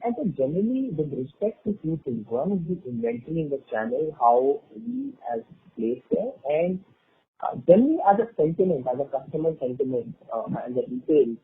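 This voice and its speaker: A man's voice: on the high side, big pitch swings, fairly quick, breathy edge. A man asking questions as an analyst on an earnings call, phrasing them in a hesitant, roundabout way over the phone. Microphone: phone conference line. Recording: tinny phone-line conference call.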